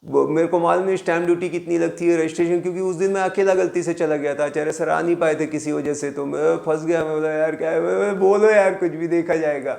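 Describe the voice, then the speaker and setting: A man, telling a lively story as a real estate coach and acting out both sides of phone calls. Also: a little high, creaky. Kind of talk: storytelling monologue. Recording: echoey room.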